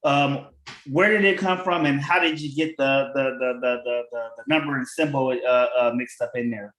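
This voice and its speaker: A man's voice: medium pitch, steady tone, moderate pace, a bit bright. A man hosting a casual livestream chat, laid-back, often stammering and repeating his words. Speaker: podcast host. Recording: echoey room with faint clicks.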